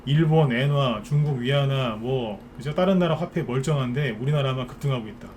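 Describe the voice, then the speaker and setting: A man's voice: medium pitch, brisk, darkish tone, a little hiss or hum. A man giving a live stock market lecture, ranting bluntly and firing rhetorical questions at his viewers.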